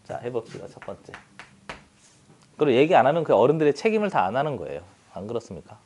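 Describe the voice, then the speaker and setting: A man's voice: mid-range voice, very animated, quick pace, a little mellow. A man teaching a math class, chatty and teasing, often asking the students for agreement. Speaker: math tutor. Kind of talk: classroom math lesson with banter.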